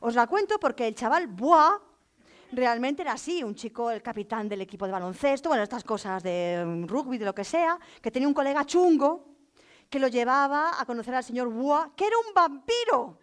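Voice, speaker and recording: A middle-aged woman giving an animated, anecdotal talk as a storyteller, acting out voices as she tells it. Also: high voice, brisk. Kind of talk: lively anecdotal lecture. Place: lecture hall.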